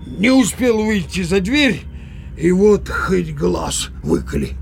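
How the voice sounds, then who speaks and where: An actor playing a grumbling, sociable and indecisive village Cossack in an audio play, with drawn-out exclamations. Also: male voice, sits high, wildly swooping pitch, vocal fry, a little hiss or hum, full character voice. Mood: grumbling, indignant. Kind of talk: theatrical audio play acting.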